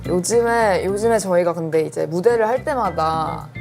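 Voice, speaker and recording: A young woman guest talking calmly and matter-of-factly in a casual chat. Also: on the low side, moderate pace, music in the background.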